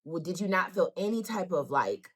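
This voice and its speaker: A woman's voice: on the low side, lively intonation, moderate pace, fairly bright tone. A young woman hosting an interview in a chatty, casual way, full of fillers. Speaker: host.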